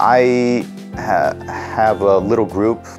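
A man with an American accent, clear music in the background. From United States. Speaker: voice actor. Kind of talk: interview answer. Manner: casual, conversational. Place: home room. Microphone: lapel.

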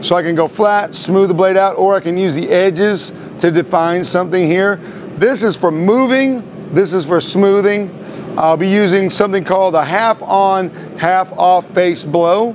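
With light background noise behind him, a man speaks at a high pitch with fairly even intonation. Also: moderate pace. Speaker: bladesmith instructor. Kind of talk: tutorial. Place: workshop.

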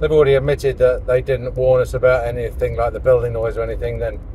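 Light background noise sits behind a man speaking at a fairly quick pace. The sound is dry with no echo. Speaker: driver vlogger. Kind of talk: casual vlog chat. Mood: wry, mildly annoyed. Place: car. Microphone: phone near.

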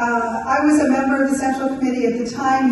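Strong room echo surrounds the voice, along with light background noise. The intonation is fairly even. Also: woman. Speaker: meeting host introducing guest. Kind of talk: speech introduction. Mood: warm, humorous. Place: hall.

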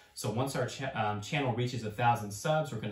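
In a room with audible echo, a man speaks at a moderate pace in a somewhat breathy voice with ordinary pitch variation. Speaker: fitness trainer, host. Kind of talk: casual vlog chat. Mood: upbeat, relaxed. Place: home room. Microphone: camera far.

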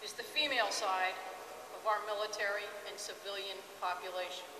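Speaking at a fairly quick pace with an American accent, the voice carries audible room echo over light background noise. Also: woman. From upstate New York. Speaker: master of ceremonies and army veteran. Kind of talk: moderated panel interview. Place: hall. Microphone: podium.

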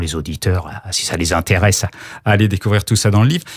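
Against a quiet background, a man talks at a fairly quick pace in a fairly low pitch with ordinary pitch variation. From Paris, France. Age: 60s. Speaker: author and former sports journalist; former sports journalist. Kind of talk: radio interview. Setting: radio studio. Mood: calm, reflective family memories. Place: studio. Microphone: studio mic.

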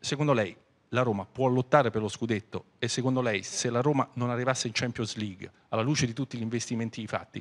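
Fairly even intonation marks a man's very fast delivery. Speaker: sports journalist. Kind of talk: press conference question.

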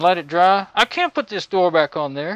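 Speaking at a moderate pace with a Texan accent, a man is heard in a dry recording with no echo. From Texas. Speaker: DIY video maker. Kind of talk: appliance repair tutorial. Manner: rambling, thinking aloud. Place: home room.

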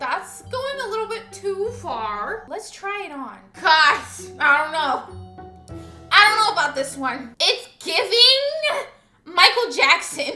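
A woman's raised, projected voice at a very slow pace, with big swings in loudness, audible room echo and faint music in the background. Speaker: gaming youtuber. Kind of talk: casual gameplay commentary. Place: home room. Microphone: headset.

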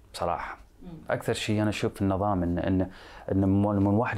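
The speaker has an Iraqi accent and talks at a moderate pace. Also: man. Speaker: actor. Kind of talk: interview. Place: home room. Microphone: lapel.

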